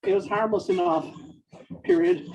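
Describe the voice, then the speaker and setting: A writer dictating a story aloud in a slow, deliberate way, pausing between phrases and speaking every punctuation mark. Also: medium pitch, big pitch swings, vocal fry, darkish tone. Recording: dull, distant mic.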